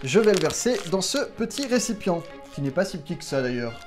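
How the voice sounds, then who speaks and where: A man's voice: high voice, sing-song, a little fast, faint music behind. A man hosting a casual unboxing vlog, talking to viewers in a playful, self-mocking way from a room at home. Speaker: YouTube host testing gadgets.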